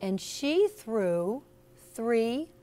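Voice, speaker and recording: A woman's voice: on the high side, sing-song, very slow, dark tone. A woman storyteller doing an interactive read-aloud for young children, encouraging and teacherly, with theatrical emphasis. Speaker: storyteller and author. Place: in front of a class of children.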